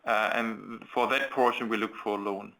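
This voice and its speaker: A man's voice: lowish voice, fairly even intonation, normal speed, vocal fry, bright, forceful tone, poor audio. A man speaking as a company executive, giving unscripted answers to analysts on a conference call.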